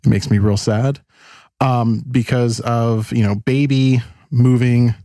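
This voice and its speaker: A man's voice: mid-range voice, steady tone, slow pace, warm tone, no echo, studio quality. A man co-hosting a podcast in casual chat, hesitant and full of ums and self-corrections. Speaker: podcast co-host.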